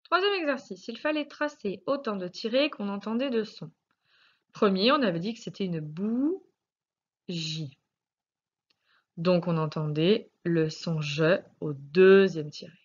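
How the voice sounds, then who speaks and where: Patient French-accented woman teacher, slow and careful, recorded lesson with dull, muffled sound. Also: mid-range voice, lively intonation. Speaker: primary school teacher. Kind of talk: recorded spelling lesson correction.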